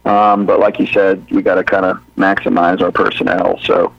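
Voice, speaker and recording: A low-pitched man in his thirties speaks in a flat, even tone. He's a football coach giving a rambling, easygoing interview full of fillers and restarts. The sound is dry and dull, like lo-fi radio audio. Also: moderate pace, gravelly, no echo. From Birmingham, Alabama. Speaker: high school football head coach. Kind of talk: interview on a sports radio show.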